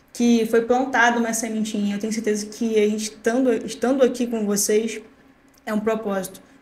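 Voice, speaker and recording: With a rural Brazilian accent, a woman speaks at a fairly quick pace and a fairly high pitch. Her intonation is monotone and flat, and the room echo is audible. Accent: rural countryside Brazilian. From Brazil, rural Rio de Janeiro state (Paty do Alferes). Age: 20s. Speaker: barber and evangelist. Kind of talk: testimony.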